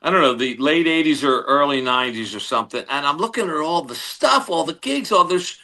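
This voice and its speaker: An older man, a guest comedian trading quick, jokey stories in casual chat. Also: on the high side. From Philadelphia, United States. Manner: quick, lively storyteller, jokey.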